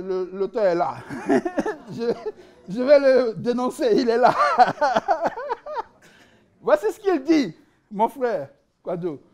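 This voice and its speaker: Presenting his book in a conference lecture, this high-voiced man is energetic and playful, laughing at his own side remarks. He frequently circles back, restarting phrases and repeating words on the way to his point.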